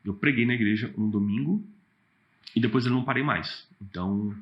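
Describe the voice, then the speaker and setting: A man, a pastor and worship leader, telling stories in a casual interview, animated and laughing often. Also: medium pitch, a little fast, highs cut off.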